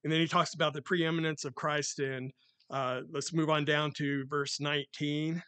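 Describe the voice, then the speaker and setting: Speaking into a handheld or stand mic, a lay preacher reads scripture during a sermon in a loud, carrying, slightly high voice that grows steadily more excited. His delivery is smooth and moderately paced, and the sound is dry and close with little room echo.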